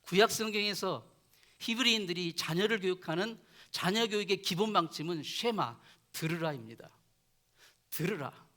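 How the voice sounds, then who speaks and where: A male pastor preaching a sermon in earnest, often letting his voice fall soft at the ends of phrases. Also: high-pitched, lively intonation, moderate pace. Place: church chapel.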